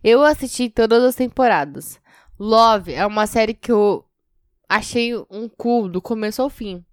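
Expressive Brazilian woman, smooth dry voice. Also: on the high side, measured pace, no room sound. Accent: Brazilian Portuguese. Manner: expressive, dramatic, swears often. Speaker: podcast co-host. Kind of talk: casual chat.

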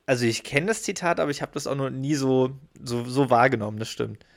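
A man's voice: mid-range voice, fairly quick, vocal fry. A man co-hosting a podcast in casual chat, mostly chiming in with brief agreeing replies. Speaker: podcast co-host.

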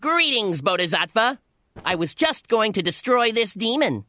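A woman's voice: on the high side, sing-song, moderate pace, pushed and bright. A woman voicing a clever, sly male monkey hero in a storybook reading, playful in tone.

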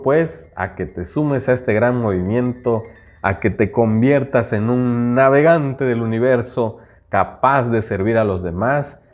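A man's voice: mid-range voice, darkish tone. A man from southern Veracruz with a Mexican accent, whose first language is Nahuatl, hosting a motivational spiritual podcast and speaking earnestly to the listener. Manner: earnest, speaks straight to the listener with repeated declarations. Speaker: podcast host, teacher. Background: faint background music.

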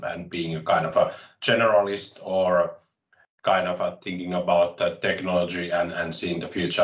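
A man in his late forties from Finland with a Finnish accent, chatting as an interview guest in a halting way, often restarting phrases, with wry self-mockery, heard over a video call. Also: low voice, a bit bright, echoey room, distant mic, lo-fi sound. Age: late 40s. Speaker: interview guest, tech consultant. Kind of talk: casual interview chat.

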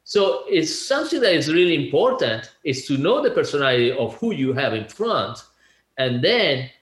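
A man's voice: fairly high pitch, big pitch swings, moderate pace. A man around sixty from Italy, a guest talking casually in an interview with lots of laughs and restarts. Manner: chatty, laughing, many fillers and restarts. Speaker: guest, real estate agent. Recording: echoey room.

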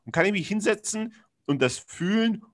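Brief: adult man, reflective chat, halting delivery full of fillers, candid and earnest. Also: sits high, lively intonation. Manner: searching, halting, with many fillers and restarts; earnest and frank, with blunt slang. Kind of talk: reflective podcast conversation.

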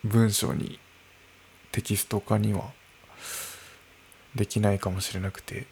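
Low gravelly man musing alone. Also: flat delivery, slight background noise. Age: early 30s. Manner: slow, musing, with soft laughs. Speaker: podcast host. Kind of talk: unscripted solo podcast talk. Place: room at home, alone. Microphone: podcast microphone.

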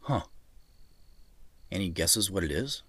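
Low-ish male voice, dry close sound, actor playing wry pensive executive, understated, conversational audio drama. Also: expressive, slow, a bit bright, dry recording, full character voice. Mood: relaxed. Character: wry, thoughtful male tech executive puzzling out a mystery. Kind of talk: naturalistic audio drama dialogue.

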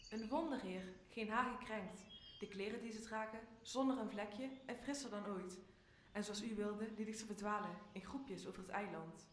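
A woman's voice: medium pitch, moderate pace, close to an everyday voice. Young woman as reverent elemental spirit, echoey. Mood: reverent, proud. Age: young adult. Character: loyal elemental spirit, fervent servant yearning to be free. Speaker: drama student actor. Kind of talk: Dutch radio play, Shakespeare adaptation. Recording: echoey room with faint noise.

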